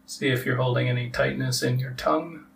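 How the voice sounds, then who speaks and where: A man leading a guided relaxation meditation as a teacher, giving soft instructions with long pauses. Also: medium pitch, steady tone, gravelly. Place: live group meditation session. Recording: distant mic with faint background noise.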